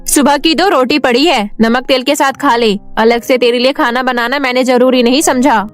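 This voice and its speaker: A woman's voice: high voice, steady tone, moderate pace, soft background music, natural voice. A woman voicing a cruel, harsh middle-aged aunt in a cartoon story, scolding and sneering. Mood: contemptuous.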